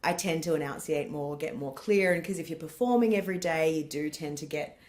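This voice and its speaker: Chatty Australian woman, lowish voice. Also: fairly quick, darkish tone. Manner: chatty, rambling, laughs often. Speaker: comedian guest. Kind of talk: casual interview chat.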